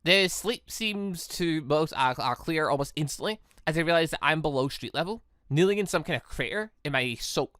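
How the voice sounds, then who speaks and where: Animated, bright-voiced reader of a visual novel. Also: medium pitch, dry recording, clean studio sound. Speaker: gaming video host reading a visual novel aloud. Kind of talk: casual let's play commentary mixed with dramatic read-aloud narration.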